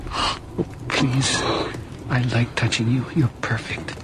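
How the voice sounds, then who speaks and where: A lonely young ghost of a man, played by an actor in a radio play, pleading and intimate. He coaxes eerily over clear background noise. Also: medium pitch, slow pace, lightly acted. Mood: coaxing, intimate. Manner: coaxing, intimate. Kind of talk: radio drama acting.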